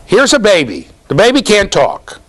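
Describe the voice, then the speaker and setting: His voice sits high and moves at a moderate pace as this middle-aged man delivers an interactive university lecture. Lively and gesturing, he keeps quizzing his students from an office with bookshelves linked to a classroom.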